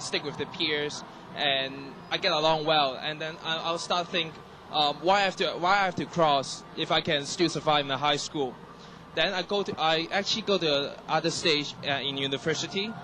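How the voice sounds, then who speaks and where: A young man from Hong Kong with a Hong Kong accent and Cantonese as his first language. He speaks haltingly as a panel guest, with many restarts and fillers. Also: a little high. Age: young adult. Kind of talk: panel discussion. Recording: noisy room.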